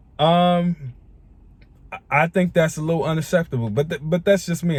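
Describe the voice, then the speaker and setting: Somewhat breathy, a man speaks at a moderate pace in a very clean recording with a silent background. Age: 30s. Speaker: fitness and self-improvement vlogger. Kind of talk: casual vlog monologue. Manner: unscripted, halting with fillers.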